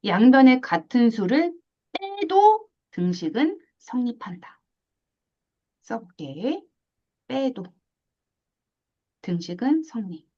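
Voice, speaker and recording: A woman teaching a math class, lively, asking questions and acting out little scenes. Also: a little high, takes it slowly, pauses often, highs cut off. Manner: animated, asks questions and acts out little scenes. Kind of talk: classroom lecture.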